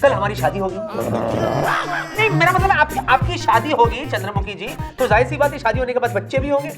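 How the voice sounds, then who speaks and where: A man's voice: very high voice, big pitch swings, moderate pace, heavily acted. An actor playing a flustered police inspector who fawns over his boss in a TV sitcom. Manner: flustered, fawning. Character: flustered male police inspector, eager to please. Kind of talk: TV sitcom acting. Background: background music.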